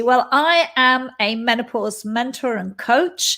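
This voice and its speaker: A woman's high, bright and sharp voice with ordinary pitch variation. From London, England. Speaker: menopause coach and podcaster. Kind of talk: interview.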